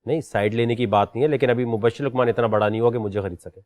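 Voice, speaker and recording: A man's voice: mid-range voice, darkish tone, no echo. A man hosting a talent show audition, questioning a contestant in a teasing, pointed way. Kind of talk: probing audition interview.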